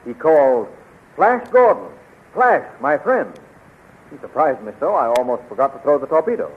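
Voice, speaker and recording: An actor playing a heroic, earnest young space adventurer, eager and declamatory, in a 1930s radio serial on an old recording. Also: male voice, on the high side, big pitch swings, normal speed, slightly rough, narrow, tinny audio. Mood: puzzled. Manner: eager, declamatory, puzzled and sincere.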